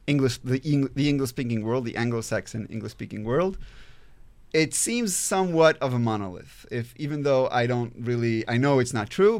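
A man hosting a panel podcast, talking in an upbeat, halting way with fillers and restarts. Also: medium pitch. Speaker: podcast host.

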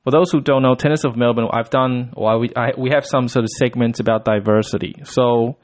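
A man's voice: medium pitch, fairly even intonation, a little fast. A man hosting a casual interview, chatty and upbeat, with frequent stammering restarts. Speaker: podcast host.

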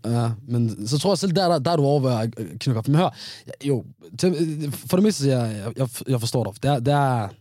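A man's voice: mid-range voice, lively intonation, few pauses, mellow, dry recording, clean studio sound. A man in casual podcast chat, telling stories with slang, frequent restarts and laughter. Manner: laughing storyteller, slang-laced, many restarts.

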